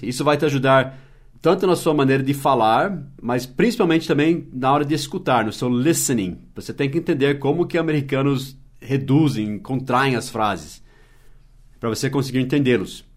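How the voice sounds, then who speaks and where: Patient bilingual man teaching a lesson. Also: mid-range voice. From Brazil. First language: English. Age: adult, past his teens. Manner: explains patiently, drops English example phrases into his talk. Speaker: English teacher, podcast host. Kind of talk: casual mini-podcast lesson.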